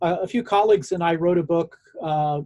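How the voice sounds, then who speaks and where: A man's high-pitched voice with ordinary pitch variation and a dry, close sound with no echo. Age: 60s. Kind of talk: interview. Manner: halting.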